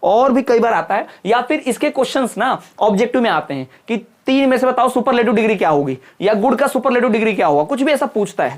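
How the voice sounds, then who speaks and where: Quizzing, repetitive male grammar tutor. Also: high voice. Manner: asks questions then answers them, repeats words, keeps checking with "है ना". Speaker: online exam-prep English teacher. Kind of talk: lecture in Hindi explaining grammar.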